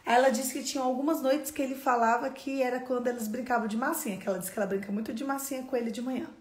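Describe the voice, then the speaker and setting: A woman gives a sermon woven with a family story, her voice sitting a little high. She keeps asking her listeners questions and circles back to repeat her main points. The recording carries a clear echo from the room. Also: steady tone, very fast. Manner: asks the audience many questions; repeats key phrases for emphasis. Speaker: preacher.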